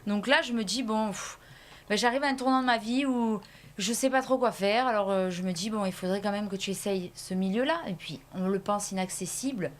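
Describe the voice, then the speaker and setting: A woman's voice: medium pitch, a little fast. Hesitant woman chatting as a guest. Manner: hesitant, unpolished, trailing sentences. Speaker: talk show guest. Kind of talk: casual interview chat. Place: TV studio.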